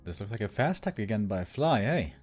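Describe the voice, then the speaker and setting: A man giving live esports commentary on a strategy game match, casual and conversational, swinging between musing and excited exclamations. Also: lowish voice, brisk, slightly rough, faint music behind. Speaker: esports caster.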